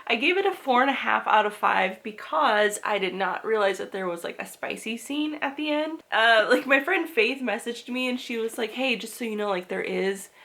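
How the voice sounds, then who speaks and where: A woman's voice: on the high side, expressive, normal speed, few pauses, sharp tone. A young woman vlogging casually to camera, stuffy-nosed with a cough, bubbly and chatty. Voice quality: bubbly and chatty, with frequent "like" and laughs. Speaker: book and lifestyle vlogger.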